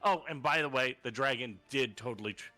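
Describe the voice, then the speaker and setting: A man's voice: mid-range voice, a little fast, sharp tone. A man running a tabletop game as dungeon master, recapping the last session in a loose, rambling way, full of fillers and self-corrections. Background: faint fantasy background music.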